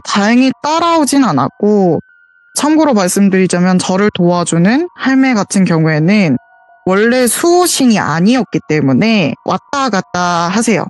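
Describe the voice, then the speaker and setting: A woman's voice: medium pitch, no echo. A woman calling in over a voice call to earnestly tell a true ghost story in casual, detailed speech. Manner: earnest, detailed retelling with quoted dialogue.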